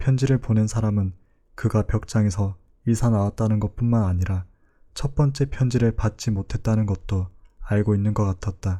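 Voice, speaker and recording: A man speaks at a moderate pace in a fairly low, somewhat breathy voice with a dark, mellow tone, fairly even intonation and very even loudness. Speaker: audiobook narrator. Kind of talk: audiobook reading.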